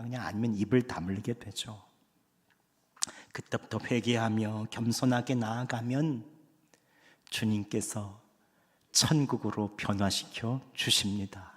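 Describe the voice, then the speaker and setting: A male pastor delivering a Sunday sermon in an earnest, conversational way, now raising his voice and now dropping to a hush. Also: medium pitch, normal speed. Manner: earnest, conversational preaching with swings between raised and hushed delivery. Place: church sanctuary. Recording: long church hall reverb.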